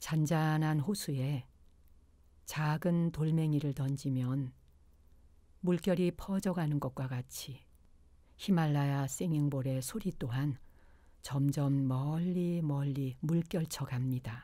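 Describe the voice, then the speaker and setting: At a very slow pace with long, frequent pauses, the speaker uses a calm, soothing tone in a very clean recording with a silent background. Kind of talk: guided meditation. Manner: slow, calm, soothing; gentle and formal.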